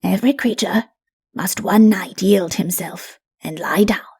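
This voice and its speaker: Solemn old father figure read by a woman, fantasy audiobook: patient, assured, mellow and gravelly. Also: medium pitch. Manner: grave, measured, assured pronouncements.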